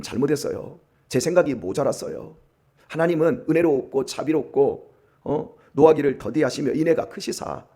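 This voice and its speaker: A male pastor voicing a stubborn, sulking male prophet who pleads with God in a lowered voice. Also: a little mellow.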